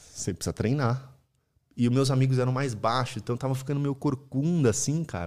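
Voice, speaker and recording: A man with a medium-pitched, dark, mellow tone talks at a very fast pace. The recording is very clean with a silent background. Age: 30s. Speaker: personal trainer. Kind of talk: casual interview.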